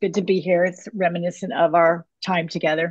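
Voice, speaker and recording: Here is a woman with a medium pitch and an unremarkable speaking voice. She talks at a fairly quick pace. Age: 60s. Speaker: podcast guest sharing recovery story. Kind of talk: interview testimony.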